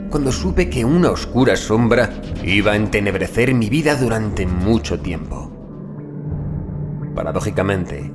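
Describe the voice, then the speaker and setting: Male audiobook narrator, lowish register, deliberate and grave dramatic horror read, set over a clear music bed.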